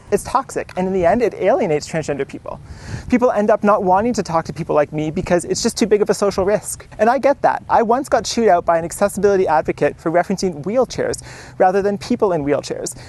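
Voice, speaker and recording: The speaker talks at a very fast pace with lively intonation. Noticeable background noise runs underneath. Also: woman, medium pitch for a woman. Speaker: vlogger. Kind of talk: opinion monologue. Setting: outdoors.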